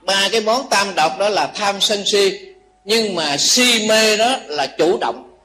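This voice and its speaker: An older man, a Buddhist monk, giving a dharma talk, telling a story in a lively way and asking the audience questions. He sounds tired. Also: sits high, slow, faint music behind. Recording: faint background noise.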